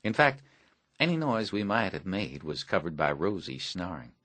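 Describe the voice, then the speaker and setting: Deep-voiced man narrating an audiobook. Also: big pitch swings, normal speed, sharp tone, dry recording. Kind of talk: scripted first-person narration.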